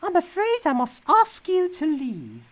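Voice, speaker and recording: In a put-on character voice with an extremely high pitch, the speaker goes at a fairly slow pace. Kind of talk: formal, refined.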